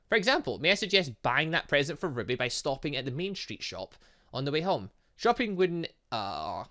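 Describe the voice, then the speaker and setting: A man commentates on a game in a bright, forward voice with swinging, animated intonation. He reads the on-screen text aloud, tripping over words now and then. Muttered asides to himself break up the reading. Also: on the high side. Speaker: gaming YouTuber playing a visual novel.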